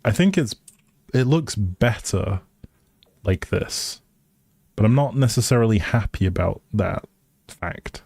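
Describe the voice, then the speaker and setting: Slow and expressive, with vocal fry and frequent pauses, this man's low-leaning, darkish voice is heard in a dry recording. He's a live streamer chatting casually over a building game, musing about small choices and talking with viewers.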